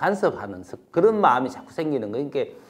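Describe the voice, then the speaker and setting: A man's pitch swings very widely as he talks. Music plays behind him. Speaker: network marketing distributor. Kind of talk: interview chat.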